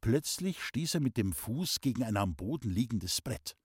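A man reads a classic novel aloud, telling it in an even, measured way. His voice is husky, at a middle pitch. The recording is dry and close. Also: no echo. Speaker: audiobook reader. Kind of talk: scripted narration of a classic novel.

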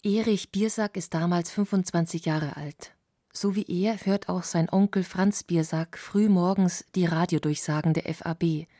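A woman narrating a historical documentary in a measured, sober scripted voice. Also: lowish voice, dark tone, no room sound, studio quality.

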